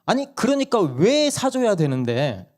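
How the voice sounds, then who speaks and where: A hoarse man voicing a blunt mother who curtly refuses her child's demands. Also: high-pitched, measured pace, pitched above the performer's own voice. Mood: curt, dismissive. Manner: curt, flatly dismissive.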